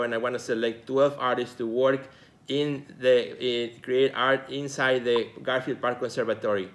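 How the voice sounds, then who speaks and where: A man in his forties from Mexico, hosting his own show as a casual solo talk, relaxed and rambling, with many fillers and restarts. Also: mid-range voice. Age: 40s. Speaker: podcast host.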